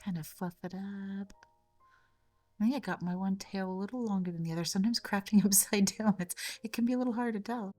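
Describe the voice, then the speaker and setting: A woman hosting a craft tutorial, talking through each step in a chatty way, her voice slightly raspy and hoarse from a cold. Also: mid-range voice, fairly quick, dark tone, faint music behind. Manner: chatty, step-by-step, frequent small repeats. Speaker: craft channel host. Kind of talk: casual craft tutorial narration.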